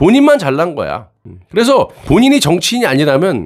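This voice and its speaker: A man speaks in an animated tone at a moderate pace. The background is quiet. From South Korea. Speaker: political YouTuber. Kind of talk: political commentary monologue. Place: studio. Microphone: studio mic.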